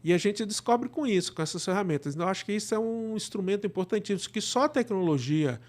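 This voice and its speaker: A middle-aged Brazilian man speaking casually as an interview guest, illustrating his points with imagined remarks in an animated conversational way. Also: sits high, fast talker. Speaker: guest, director and cultural producer.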